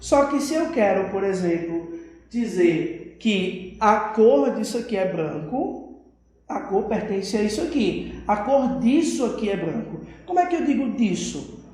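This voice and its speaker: A woman's voice: medium pitch, lively intonation, measured pace, a little mellow. Echoey Brazilian woman teaching kids. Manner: patient, keeps checking understanding with tag questions. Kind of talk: recorded video lesson for children. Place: classroom with a whiteboard. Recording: very echoey room.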